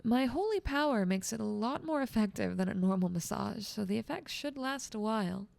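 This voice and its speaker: A woman playing a gentle, motherly guardian angel in a soothing, patient ASMR roleplay, speaking softly and coaxingly. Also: fairly high pitch, expressive, a little fast, vocal fry, no echo. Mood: soothing, intimate. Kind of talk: soft-spoken ASMR roleplay.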